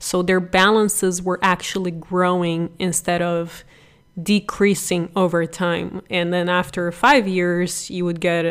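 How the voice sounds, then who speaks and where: A woman talks at a fairly slow pace with a Portuguese accent. Her fairly low pitch stays in a monotone, flat intonation. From Brazil. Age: 30s. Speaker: podcast host. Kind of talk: solo storytelling monologue.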